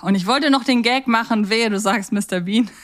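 A woman's voice: a little high, normal speed, fairly bright tone. A woman co-hosting a podcast in casual, unscripted and rambling chat. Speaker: podcast co-host.

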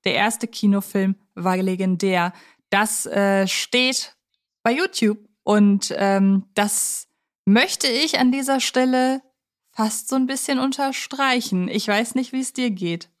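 A woman's voice: mid-range voice, takes it slowly. A woman hosting a podcast in a conversational style, explaining things at chatty length. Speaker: podcast host; film journalist.

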